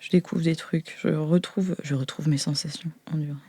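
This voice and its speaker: A woman's voice: low-pitched, steady tone, normal speed, mellow, husky. A woman improvising narration as game master, dropping in spoken sound effects. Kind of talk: improvised tabletop roleplay narration.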